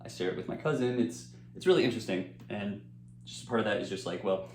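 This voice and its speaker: A young American man chats casually while eating on camera for his eating channel, rambling with plenty of fillers and restarts and sometimes speaking with his mouth full. His voice sits fairly low, with lively intonation, a fast pace and a darkish tone. The recording is reverberant with a little hiss or hum.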